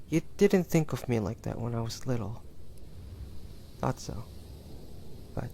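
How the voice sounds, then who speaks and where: Man acting a slow, tender, weary young hunter. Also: lowish voice, gravelly, a little mellow, a little hiss or hum. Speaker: amateur voice actor. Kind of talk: intimate romantic audio roleplay.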